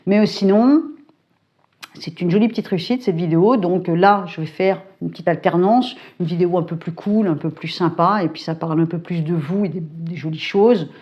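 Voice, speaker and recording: This middle-aged psychic YouTuber speaks at a fairly low pitch in a casual talking-head chat recorded at home with lo-fi sound. She rattles along colloquially and briskly, dropping frequent filler tags and hesitations, and says she's hyperactive.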